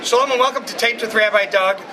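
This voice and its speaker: High-voiced chatty male TV host. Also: fast, music in the background. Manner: upbeat, chatty, repeats answers back. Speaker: TV show host. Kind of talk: casual interview. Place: convention hotel event. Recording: noisy event ambience.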